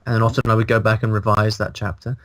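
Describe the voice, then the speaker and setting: Animated man on a video call. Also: fairly low pitch, fast, dry recording, poor audio. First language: English. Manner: animated, thinking aloud with many restarts. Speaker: guest, language blogger. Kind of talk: casual interview. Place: small room indoors. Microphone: video call, earphones, mic in front.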